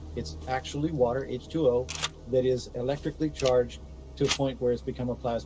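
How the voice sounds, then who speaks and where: Over noticeable background noise, a man with a medium pitch talks at a very fast pace with lively intonation. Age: 60s. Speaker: interview guest, gas researcher. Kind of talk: interview.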